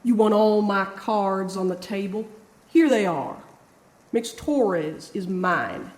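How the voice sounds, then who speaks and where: Woman playing a slow, echoing cowboy spirit. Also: medium pitch, lively intonation, darkish tone. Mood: ominous, boastful. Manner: drawling, cocky, menacing. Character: folksy, scheming cowboy spirit, a mysterious drifter. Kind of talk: audio drama acting.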